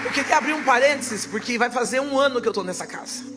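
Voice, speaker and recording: A woman pastor giving her testimony in church, her fervent preaching swelling into loud proclaiming. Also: on the high side, expressive, quick pace, over music.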